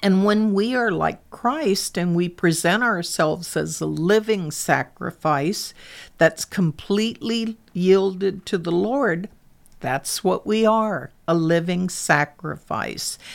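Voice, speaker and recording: On a very clean recording with a silent background, the voice moves at a very slow pace with ordinary pitch variation. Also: woman, medium pitch for a woman. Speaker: pastor's wife and ministry leader. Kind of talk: teaching talk with prayer.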